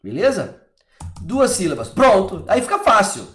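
A man's voice: high-pitched, huge pitch swings, measured pace, a bit bright, reverberant. A man with a Brazilian accent teaching English in a chatty, encouraging way, full of little fillers. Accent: Brazilian Portuguese. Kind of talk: live online English lesson.

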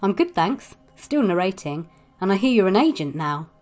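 A woman playing a dry, exasperated pantomime narrator, delivering comic scripted narration with wry deadpan. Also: medium pitch, normal speed, faint music behind, lightly acted.

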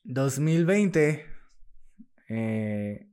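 A young man with a Mexican Spanish accent, a musician telling his own story as a podcast guest, lively and acting out what people said. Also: mid-range voice, extremely slow, clean tone. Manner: lively, acts out quoted dialogue, laughs while telling. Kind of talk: casual storytelling in an interview.

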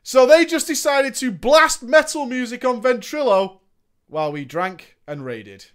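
A man reads a gaming tale aloud in an animated, sarcastic way. His voice sits high, and he often breaks into laughter. The pitch swings widely from line to line. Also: a little slow, clear, resonant tone. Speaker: story reader. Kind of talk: comic reading of a gaming story with asides.

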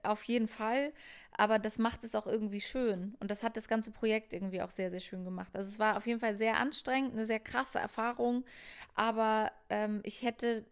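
A woman's voice: a little high, fairly even intonation, brisk, smooth. A woman from Hamburg, a musician being interviewed, talking thoughtfully with many fillers. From Hamburg, Germany. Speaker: musician guest. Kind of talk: casual interview conversation.

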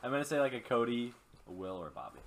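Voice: mid-range voice, very animated, rapid-fire, a loud crowd. A participant in a casual podcast among friends who rambles and trips over words.

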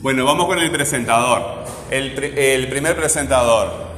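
A man's voice: medium pitch, moderate pace, fairly bright tone, slight background noise. A man teaching a grammar lesson to a student, patiently asking questions and repeating her answers. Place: classroom. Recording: echoey classroom with long reverb.

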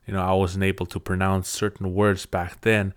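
A man in his thirties whose first language is Cree, hosting a podcast and telling a personal story in a casual, halting way, often restarting his phrases. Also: sits low, little pitch movement, smooth, dry recording, studio quality. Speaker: podcast host.

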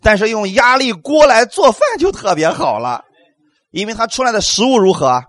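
A male pastor preaching with a high voice that leaps up and down, pressing the congregation with rhetorical questions. He acts out what others might say in emphatic bursts. The sound is dry and close, with no room around it. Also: lively intonation, normal speed, fairly bright tone, dry recording. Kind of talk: sermon.

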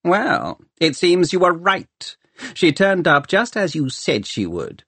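A man's voice: sits high, very animated, takes it slowly, a bit bright, breathy edge, no room sound, voice pushed up, exaggerated voice. A man voicing a scheming male city ruler who speaks in a clipped, commanding way. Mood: cold command.

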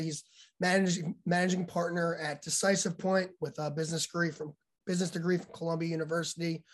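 A male podcast host speaks a little high, his voice still recovering after being lost. He asks loose, rambling questions full of fillers. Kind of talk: casual podcast interview.

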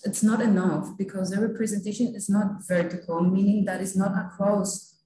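A woman's voice: mid-range voice, fairly even intonation, moderate pace, roomy sound, crowd noise, poor audio. A young woman from Greece, answering interview questions earnestly and thoughtfully, often checking in with the listener. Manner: earnest, thoughtful, frequent "you know" and "right?".

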